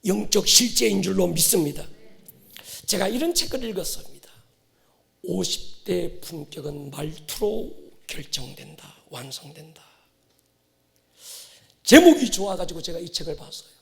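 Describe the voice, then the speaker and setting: High-pitched, gravelly male preacher in his fifties. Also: expressive, normal speed, pauses often. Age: 50s. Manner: exhorting, swings from hushed asides to forceful shouted declarations; prompts listeners to respond and repeat. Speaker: pastor. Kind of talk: fervent sermon to a congregation.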